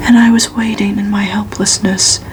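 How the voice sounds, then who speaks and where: A woman reads a gothic novel aloud for ASMR in a soft, hushed whisper, narrating evenly. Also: mid-range voice, slight background noise, rough recording. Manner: slow, hushed, even narration. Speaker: ASMR reader.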